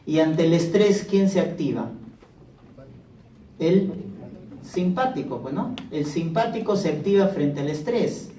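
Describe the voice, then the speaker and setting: A man's voice: fairly high pitch, lively intonation, a little slow, pauses often, warm tone, recorded from a distance, a little hiss or hum. A man giving a pharmacology lecture in a classroom, asking the students questions and answering them himself. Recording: echoey classroom, voice from afar.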